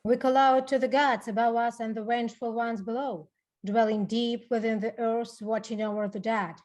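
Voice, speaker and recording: A woman's voice: a little high, steady tone, moderate pace, darkish tone, natural voice. A woman playing a solemn exiled suppliant who invokes the gods in a Greek tragedy reading. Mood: solemn, invoking. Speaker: actor.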